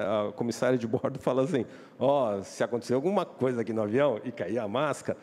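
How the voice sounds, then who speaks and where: Male Brazilian preacher, lively and animated pitch, church reverb. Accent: Brazilian Portuguese. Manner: questions the congregation, acts out quoted voices. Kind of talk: sermon. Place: church hall.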